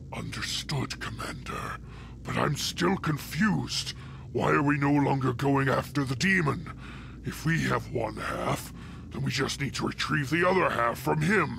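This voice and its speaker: A man puts on a character voice at a moderate pace, with loud background noise all around. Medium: machinima. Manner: formal, inquisitive.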